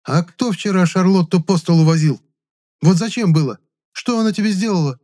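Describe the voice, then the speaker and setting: A man voicing a sharp-tongued young male hero who talks bluntly and scolds. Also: mid-range voice, brisk, voice pushed up, close to an everyday voice. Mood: scolding.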